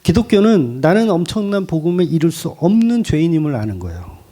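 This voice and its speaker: A male pastor preaching a sermon in a church, his pitch swinging widely as he drives his points home. He keeps asking rhetorical questions and repeating key phrases for emphasis, in a warm, mellow voice that sits a little high. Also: very animated, a little fast.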